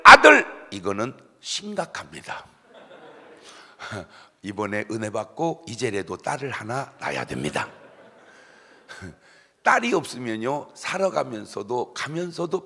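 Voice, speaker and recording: A man's voice: medium pitch, sharp tone. A middle-aged male pastor preaching a sermon, with humour, who keeps quizzing the congregation and having them answer together. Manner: call-and-response questions to the congregation, humorous. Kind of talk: sermon at a dawn revival service. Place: church sanctuary. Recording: echoey church hall.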